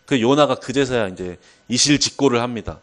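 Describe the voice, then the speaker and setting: A man preaching a sermon, telling a Bible story in an animated way with occasional chuckles. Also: mid-range voice, a little fast.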